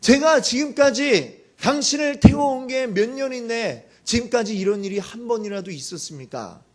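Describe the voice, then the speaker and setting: A man puts on an indignant talking donkey from a storybook tale, reproachful and pleading as it demands to know why it is being struck. The voice is pitched high and lively and swings up and down with feeling. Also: moderate pace.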